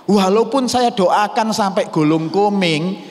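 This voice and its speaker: A man's voice: sits high, measured pace, a little mellow. A man with an East Javanese accent preaching a sermon as pastor, telling stories and slipping Javanese and English words into his talk. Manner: mixes Javanese and English into Indonesian, storytelling. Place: church hall. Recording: church hall reverb.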